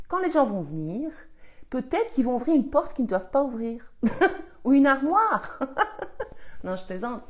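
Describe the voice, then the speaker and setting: A woman in her fifties from Belgium with a Belgian French accent, telling rambling anecdotes with frequent laughs while she has a slight cold. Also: fairly high pitch. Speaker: host answering live questions. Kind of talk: casual storytelling chat.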